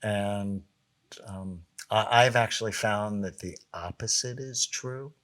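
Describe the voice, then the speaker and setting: Slow-talking, low-voiced man on a podcast. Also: a bit bright. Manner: slow, measured, thoughtful. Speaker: podcast co-host. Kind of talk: casual conversational podcast.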